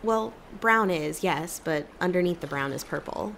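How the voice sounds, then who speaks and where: A young woman cryptid in an audio drama, on the low side in pitch. She is anxious yet wry and teasing, speaking naturally over faint ambient noise. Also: expressive, normal speed, gravelly, a bit bright. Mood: curious, teasing. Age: young adult. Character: worried young woman cryptid with emotion-reading power, wryly teasing.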